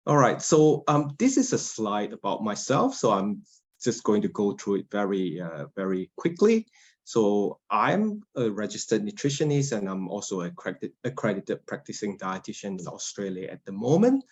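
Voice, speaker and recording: A man from Malaysia, a university lecturer, giving a polite, measured presentation from slides. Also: lowish voice, very animated. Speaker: guest lecturer. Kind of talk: presentation over a webinar. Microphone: video call. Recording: dull lo-fi video call audio.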